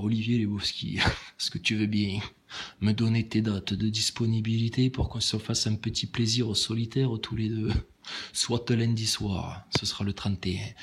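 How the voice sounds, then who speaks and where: Guy putting on a toulouse accent, fake flirty southern dude, low teasing drawl. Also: husky. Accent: Toulouse, southern French. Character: mock-flirty southern man proposing a date.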